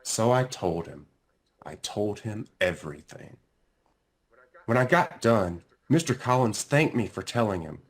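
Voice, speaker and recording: A man reading a children's storybook aloud as its author, with deliberate, dramatic emphasis. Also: fairly low pitch. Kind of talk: expressive children's storybook narration.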